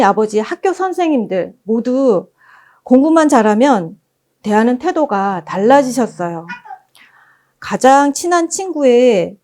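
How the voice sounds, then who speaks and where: Woman reading from a book, soft storyteller feel, voice sits a bit high. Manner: gentle storytelling, acting out quoted lines. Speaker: book forum presenter.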